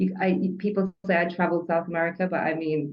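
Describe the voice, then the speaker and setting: The woman talks at a fairly quick pace with vocal fry and a fairly low pitch. Her intonation is monotone and flat. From northern England, between Liverpool and Manchester. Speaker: pharmacist and community liaison. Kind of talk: interview. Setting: call. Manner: hesitant, many fillers.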